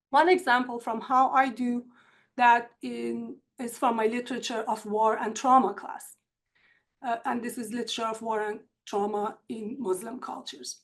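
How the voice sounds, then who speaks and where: A woman with an Iranian accent, a university instructor giving a measured, earnest prepared talk in an online seminar. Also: on the high side. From Iran. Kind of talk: academic webinar presentation. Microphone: computer mic on a video call.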